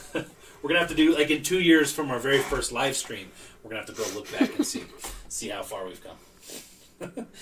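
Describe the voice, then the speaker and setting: Against noticeable background noise, a man with a fairly high pitch speaks with big swings in loudness and very wide pitch swings. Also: moderate pace. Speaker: online clothing reseller, channel co-host. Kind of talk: casual live stream chat. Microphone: far from the shared microphone.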